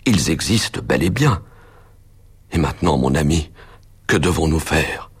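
A man's voice: extremely low pitch, lively intonation, unhurried, slightly rough, exaggerated voice. A man reading the lines of a frightened, breathless young doctor in a muffled, hollow voice. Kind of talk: audiobook character reading.

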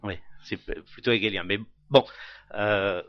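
A man's voice: lowish voice, a little slow, no echo, highs cut off. A male lecturer answering audience questions in a thoughtful, explanatory way. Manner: thoughtful, explanatory, with filler hein. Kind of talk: academic explanation.

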